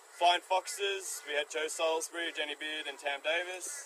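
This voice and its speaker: With an Australian accent, a man speaks at a fairly slow pace in a dry sound with no echo, over light background noise. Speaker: president of state sport association. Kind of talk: meeting report. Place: open country.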